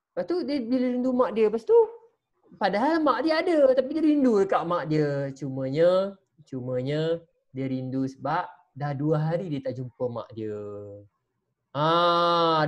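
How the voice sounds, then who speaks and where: A man's voice: on the high side, unhurried. A man teaching religious studies to children over a video call, telling them a story and stopping often to ask them questions. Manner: animated, talks straight to the children and asks them questions. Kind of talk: teaching an online class, storytelling.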